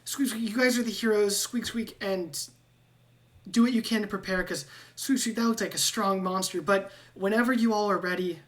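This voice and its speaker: A game master voicing an anxious rat man who keeps squeaking between his words, in a tabletop game. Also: normal speed, lightly acted. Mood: urging. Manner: peppers every phrase with squeaks.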